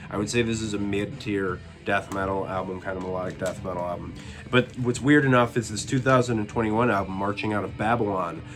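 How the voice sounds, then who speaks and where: A man casually reviewing albums from his collection, relaxed and rambling with plenty of fillers. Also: lowish voice. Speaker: metal collection vlogger.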